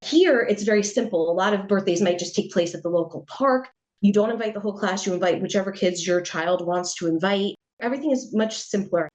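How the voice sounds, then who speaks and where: A woman's voice: medium pitch, brisk, darkish tone, poor audio. A middle-aged American woman talks through her answers in an easy, conversational manner. She hedges often and muses aloud, with a light laugh now and then. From United States. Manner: chatty, reflective, with frequent hedges and laughs. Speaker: interview guest, writer. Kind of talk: casual interview answers.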